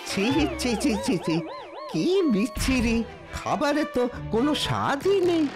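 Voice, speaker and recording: A woman's voice: fairly high pitch, wildly swooping pitch, unhurried. A woman playing a chatty, complaining villager in a cartoon. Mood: disgusted. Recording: cartoon voice with music behind.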